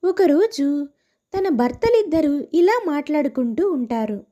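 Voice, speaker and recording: A woman's voice: high voice, expressive, a little slow, dark tone. A woman narrating a cartoon moral story in a plain, scripted storytelling manner. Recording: dull lo-fi.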